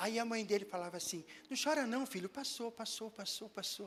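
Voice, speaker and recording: A man talks at a moderate pace in a high voice with an animated tone and ordinary pitch variation. Noticeable background noise is present. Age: 60s. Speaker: pastor. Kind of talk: sermon.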